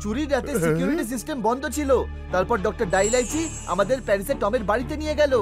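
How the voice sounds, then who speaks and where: একজন কণ্ঠশিল্পীর দ্রুত কথা বলা বুদ্ধিমান কার্টুন চরিত্র. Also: female voice, on the high side, animated, natural voice. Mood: explaining. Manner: fast, reasoning explanations. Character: clever cartoon hero leading an investigation. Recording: studio voice over loud music.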